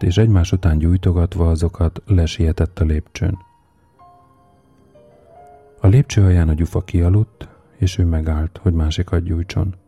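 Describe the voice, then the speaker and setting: A man narrates an audiobook in a low, very dark voice with a husky edge. He reads slowly and keeps the suspense building. Faint music plays underneath. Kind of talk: audiobook reading.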